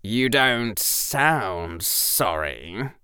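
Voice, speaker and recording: A man voicing a smug, bullying teenage boy who speaks slowly and gloatingly. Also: fairly low pitch, very animated, pushed and bright, clean tone, dry recording, studio quality, heavily acted. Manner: slow, gloating.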